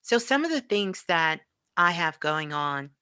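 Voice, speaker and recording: A woman's voice: lowish voice, sing-song, a little slow, sharp tone, smooth, dry recording, studio quality. A woman speaking reflectively and conversationally as an interview guest and spiritual teacher, often checking in with the listener. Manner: frequently checks in with "you know".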